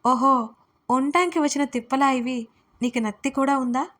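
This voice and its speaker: A woman's voice: high voice, normal speed, fairly bright tone. A woman voicing a bossy, teasing young man. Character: brusque scolding young man, the hero. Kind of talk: audio story character voice.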